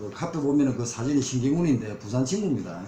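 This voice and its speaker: A man speaks fairly quickly and with lively intonation, with audible room echo and noticeable background noise around him. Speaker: fisheries exam lecturer. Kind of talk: lecture. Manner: fast.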